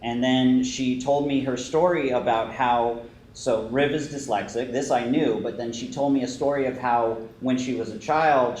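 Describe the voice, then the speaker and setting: Speaking in a mid-range, darkish voice, this man from the Bay Area co-presents a prepared presentation as a video producer, explaining in a plain, steady manner. The room is echoey, with faint noise in the recording.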